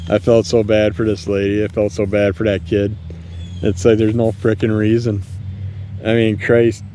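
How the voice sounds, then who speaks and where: A man's voice: on the low side, warm tone, a little hiss or hum. A man hosting a solo podcast, ranting bluntly and angrily with plenty of swearing, recorded outside at night. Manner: angry, blunt and profane. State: living with multiple sclerosis. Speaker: podcast host. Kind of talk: casual solo rant. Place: outdoors at night. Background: distant fireworks and passing vehicles.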